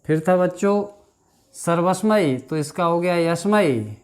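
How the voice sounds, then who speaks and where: A man teaching a grammar lesson, reciting word forms in a slow chant and talking to his students as children. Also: high voice. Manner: addresses students as children, frequent "thik".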